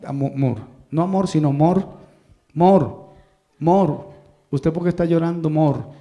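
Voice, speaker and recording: A man's voice: fairly high pitch, moderate pace, lo-fi sound, close to an everyday voice. A man voicing a doting wife with a paisa accent who keeps calling her husband "amor" in a sing-song, repetitive way. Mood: coaxing.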